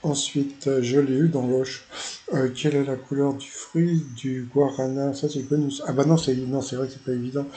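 A man's voice: mid-range voice, fairly even intonation, moderate pace, few pauses, mellow. A man recapping a quiz show episode in a casual, rambling way, full of fillers and restarts.

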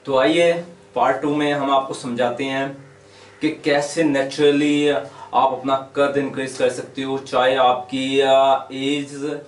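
A man giving an emphatic, repetitive motivational lecture as a health instructor in a small room, recorded from a few steps away. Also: mid-range voice. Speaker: naturopathy doctor and lecturer. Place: small indoor room with whiteboard. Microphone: camera a few steps away. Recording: roomy echo, distant microphone.

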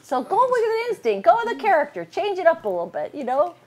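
A woman's voice: extremely high pitch, very animated, fast, darkish tone. A middle-aged woman directing a live voice-over read in a crowded living room, encouraging and laughing as she gives notes. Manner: enthusiastic, encouraging, laughs often. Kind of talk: live coaching a table read. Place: living room full of people.

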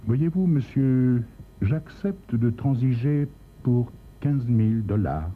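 A man voicing a shabby little man who pleads with a put-on foreign accent and then turns calm and menacing, in a storybook crime reading. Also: medium pitch, slow pace, pitched above the performer's own voice. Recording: tinny lo-fi recording, faint hiss.

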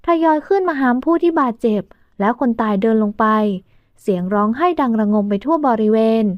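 High-voiced woman narrating an audio novel. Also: expressive, brisk, dry recording. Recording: dull dry studio recording.

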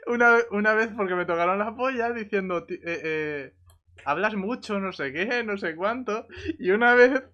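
A man's voice: high-pitched, animated, normal speed, bright, forceful tone, muffled recording. Sweary Spanish man swapping casual gamer anecdotes. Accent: Spain. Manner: colloquial, sweary. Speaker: online roleplay gamer.

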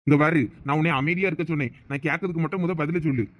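A pushy, lovesick young man in a cartoon, voiced by a man. He talks fast in a fairly high voice, pressing and demanding. He keeps at it without letting up. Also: lightly acted. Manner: insistent, demanding.

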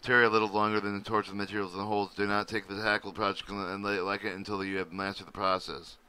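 A man's voice: lowish voice, little pitch movement, fast talker, sharp tone, smooth. A man reading a welding manual aloud at his computer, stumbling over words and restarting often. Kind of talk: halting read-aloud of a manual. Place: at a computer, screen recording.

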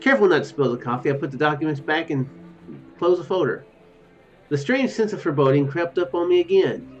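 With a fairly high, expressive voice and a fairly quick delivery, this thirtysomething streamer reads out game text, pausing for thoughtful, self-correcting asides. He's indoors in a small home room, and his dull lo-fi microphone also catches the game's music.

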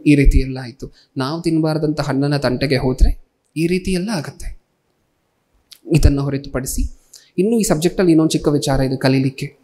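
A man delivers a sermon in a slightly high voice. He keeps turning to his listeners with rhetorical questions and slows down to read scripture aloud. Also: warm tone. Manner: reads scripture slowly. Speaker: preacher.

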